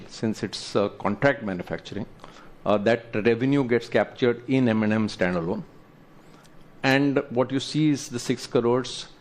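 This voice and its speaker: A man presents company results to investors as an executive, explaining slides in a measured, halting way. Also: fairly low pitch, darkish tone. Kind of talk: earnings presentation to investors, talking through slides.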